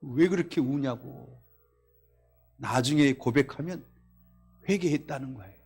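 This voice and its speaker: A man preaching a Korean sermon at a Friday night service, reading scripture aloud, telling stories and asking the congregation questions, swinging between loud exclamations and quiet asides. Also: mid-range voice, unhurried, breathy edge, faint music behind. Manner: reads scripture in a raised voice. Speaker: pastor. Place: church.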